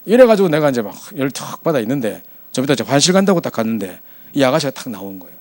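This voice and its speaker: A man preaching to young adults as their pastor, telling a story in a chatty, animated way. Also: medium pitch, very fast.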